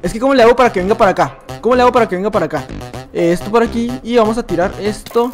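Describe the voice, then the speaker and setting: A young Mexican-accented man narrates his gameplay live, excitable and chatty, often repeating himself. His voice sits high for a man. Faint music plays underneath. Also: rapid-fire. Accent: Mexican Spanish. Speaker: gaming YouTuber.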